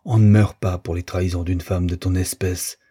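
A man's voice: deep voice, little pitch movement, moderate pace, warm tone, breathy edge. A man voicing a jealous young lover who hurls bitter, accusing tirades at his mistress. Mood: cold.

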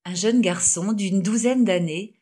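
A woman narrating a classic novel in a measured, even reading. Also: medium pitch. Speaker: audiobook narrator. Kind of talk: scripted narration.

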